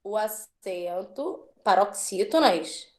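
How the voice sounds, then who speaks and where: A woman's voice: medium pitch, animated, slow pace, a crowd in the background. A woman teacher giving an online class, patiently drawing out words as she drills syllables.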